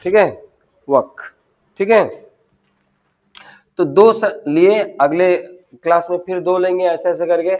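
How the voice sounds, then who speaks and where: A man with a fairly high voice and a teaches spoken to a class. He drills words slowly and repeats them for practice. The recording sounds dull and lo-fi. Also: fairly even intonation, a little mellow. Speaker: English teacher. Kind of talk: spoken English lesson in Hindi.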